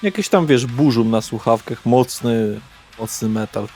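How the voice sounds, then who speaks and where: A man's voice: medium pitch, expressive, unhurried. A man running a horror tabletop game as game master, narrating atmospherically and dropping casual asides to the players. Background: soft guitar music.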